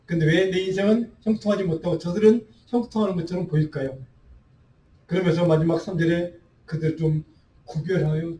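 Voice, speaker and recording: A man's voice: high voice, a little mellow, slight background noise. A male pastor preaching a midweek Bible study sermon, earnest and full of rhetorical questions. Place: church sanctuary. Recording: roomy echo, voice heard from a distance.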